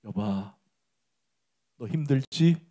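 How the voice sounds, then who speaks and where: A pastor acting out God quietly questioning a suffering man within a sermon. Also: medium pitch, expressive, slow pace, voice pushed down. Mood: gentle.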